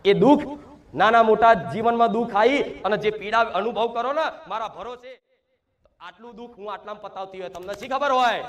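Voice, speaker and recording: A man with a high-sitting voice speaks at a moderate pace, preaching a devotional sermon as a spiritual medium voicing the goddess. Taking the first person as a divine mother, he addresses devotees directly, his delivery emphatic and packed with rhetorical questions.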